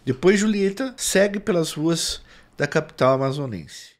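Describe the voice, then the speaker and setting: A man's voice: on the high side, expressive, normal speed. A man in his thirties hosting an online history channel, speaking earnestly to viewers in a small studio with a close mic. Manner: earnest, addresses viewers as "galera". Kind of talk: presenting a YouTube news segment. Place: small indoor studio set. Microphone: podcast mic on stand close in front.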